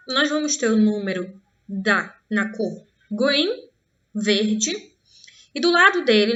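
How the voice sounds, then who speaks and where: A Brazilian woman teaching English to children, drawing out each English word slowly and often checking in with the class. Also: a little high, bright, forceful tone, highs cut off. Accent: Brazilian Portuguese. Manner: slow, drawn-out modelling of English words. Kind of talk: online class for young pupils.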